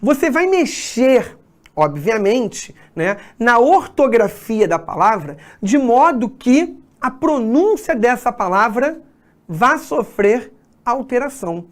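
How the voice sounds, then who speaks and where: A woman's voice: a little high, very animated, slow pace. A woman teacher explaining grammar at a whiteboard, often checking in with her students. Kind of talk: exam-prep grammar lesson.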